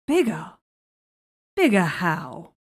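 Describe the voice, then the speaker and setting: A woman's voice: lowish voice, sing-song, slow, breathy edge, full character voice. Woman acting a haughty, imperious fantasy queen. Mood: spiteful, haughty. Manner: imperious, dramatic, indignant. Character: haughty, spiteful young foreign queen, imperious and petulant. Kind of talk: dramatic fantasy audio drama acting.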